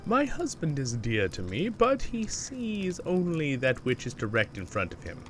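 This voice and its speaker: A man's voice: on the high side, huge pitch swings, a little slow, faint music behind. A man voicing a wary woman, the wife of a camp leader, reading quest text aloud. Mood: earnest.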